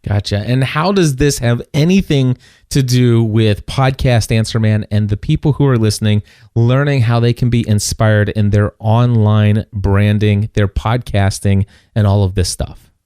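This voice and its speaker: A man's voice: on the low side, measured pace, dark tone, clean tone, no room sound, clean studio sound. A middle-aged man hosting a podcast, interviewing in a casual, chatty and jovial way.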